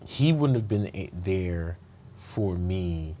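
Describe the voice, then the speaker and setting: A man's voice: deep voice, lively intonation, takes it slowly, warm tone, slight background noise. A man speaking as an interview guest, earnest and reflective, often restarting his sentences. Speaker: guest, state attorney. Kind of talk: conversational interview.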